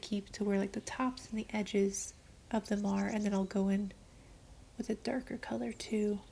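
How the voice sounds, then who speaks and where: Her tone is dark and mellow, and somewhat breathy. The woman speaks at a fairly quick pace with monotone, flat intonation. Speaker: art tutorial youtuber. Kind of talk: tutorial.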